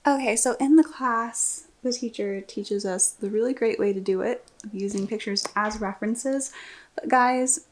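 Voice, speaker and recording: A woman's voice: on the high side, a little slow, a little hiss or hum. A young woman vlogging casually, chatty and self-deprecating, often laughing at herself. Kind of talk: casual vlog talk.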